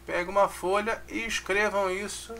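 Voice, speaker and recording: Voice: medium pitch, fairly even intonation, normal speed, vocal fry, bright, forceful tone, slight background noise. A music teacher with a Brazilian Portuguese accent, giving a casual online lesson, counting beats aloud and checking in with the class.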